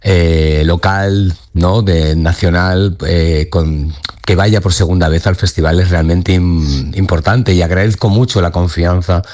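A man's voice: sits low, steady tone, a little slow, a little mellow, lo-fi sound. A man in his fifties, a dancer and company director, talking earnestly in an interview with many restarts and tag questions. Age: 50s. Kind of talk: radio interview.

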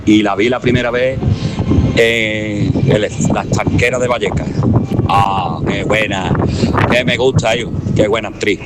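A man's voice: fairly low pitch, fairly even intonation, measured pace, very noisy. A man calling into a radio show, gushing and affectionate. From Spain. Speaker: caller. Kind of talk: radio call-in.

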